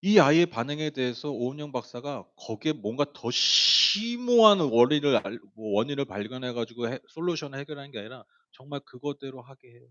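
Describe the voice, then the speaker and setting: A man's voice: medium pitch, animated, a little fast, hardly any pauses, fairly bright tone, dull audio. A man preaching a sermon, telling a story in a chatty way with many fillers and speaking directly to the congregation. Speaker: pastor.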